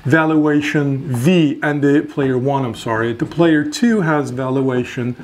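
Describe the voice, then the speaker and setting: A man's voice: mid-range voice, steady tone, measured pace, slight background noise. A man in his forties giving a whiteboard lecture, explaining step by step, restarting words and checking in with listeners. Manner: explanatory, repeats words while thinking, frequent "all right?" checks. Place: classroom in front of a whiteboard.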